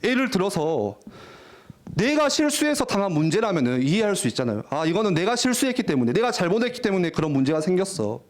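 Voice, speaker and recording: A young man preaching a lively, jokey youth sermon in a church, often acting out teenagers' voices. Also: high-pitched, fast talker. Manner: animated, jokey, acts out teen voices. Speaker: youth pastor. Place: church worship hall.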